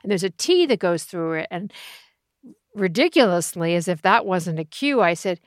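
A woman co-hosting a podcast in casual chat, animated and laughing often. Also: on the low side, normal speed, dry recording, clean studio sound. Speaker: podcast co-host.

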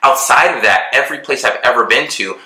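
This Texas-born vlogger, an expat in Mexico, talks earnestly in casual conversation, wandering off with lots of fillers and false starts. His medium-pitched voice is animated, brisk, bright and forceful, set against a roomy echo.

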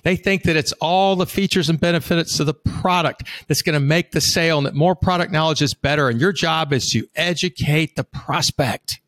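A man's voice: fairly high pitch, moderate pace, few pauses, a bit bright, no echo. A man telling a folksy, salty story to make a point about selling, acting out the people in it. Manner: folksy, profane storyteller acting out quoted characters. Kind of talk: storytelling sales talk.

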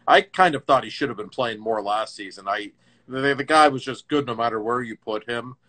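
A middle-aged man in a casual hockey chat, an animated storyteller with emphatic swings in his voice. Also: medium pitch, moderate pace.

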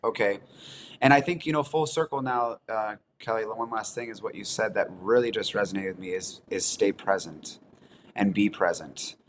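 A man in his thirties, a chef guest on a podcast, speaking calmly and earnestly in casual chat. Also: lowish voice, normal speed, slight background noise. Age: 30s.

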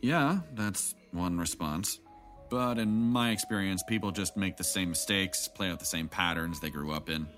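A man's voice: deep voice, normal speed, a bit bright. A man playing a jaded, guarded middle-aged man in an audio drama, with wry, reflective delivery. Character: jaded, guarded older man, bitter about his family. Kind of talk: naturalistic audio drama acting. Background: background music.

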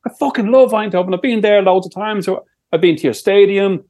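A young Irish man co-hosting a podcast, telling stories in a sweary, animated way. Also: sits high, fairly quick. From Ireland. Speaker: podcast co-host. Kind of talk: casual chat.

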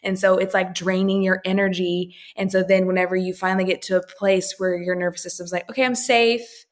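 A woman's voice: fairly low pitch, flat delivery, fairly quick. A young woman co-hosts a casual chat podcast. She talks in an encouraging, supportive way. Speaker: podcast co-host.

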